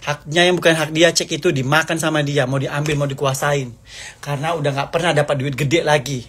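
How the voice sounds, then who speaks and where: A man's voice: fairly high pitch, steady tone, brisk, a bit bright, slightly rough. A man delivering an angry, accusing rant to the camera, hammering the same points over and over. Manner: heated, accusing, repetitive.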